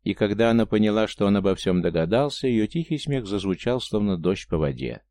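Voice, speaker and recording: A man narrating an audiobook in a calm, measured storytelling manner. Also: fairly low pitch, no room sound. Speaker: audiobook reader. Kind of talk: scripted narration.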